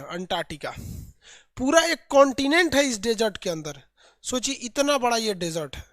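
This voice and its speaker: A man's voice: very high voice, dry recording. Guy teaching geography online, repeats stuff over and over, dry close sound. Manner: lively, drills names by repetition, colloquial.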